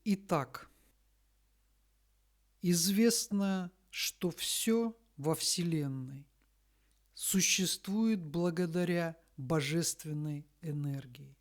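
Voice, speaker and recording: A Russian woman with a lowish voice reads a scripted spiritual message solemnly and deliberately, breaking it into short phrases separated by long pauses.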